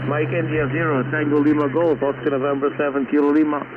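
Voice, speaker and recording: Recorded with audible room echo and noticeable background noise, a man talks at a fairly quick pace in a fairly high pitch. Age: 60s. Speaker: amateur radio operator, retired air force veteran. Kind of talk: ham radio conversation. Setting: shortwave radio transmission. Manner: halting, many fillers.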